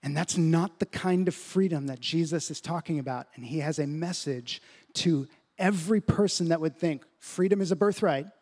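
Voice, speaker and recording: A pastor delivers a sermon in a fairly high, bright male voice. He teaches with emphasis, pushing his pitch up to drive a point home. He also slows down deliberately over the phrases that matter most.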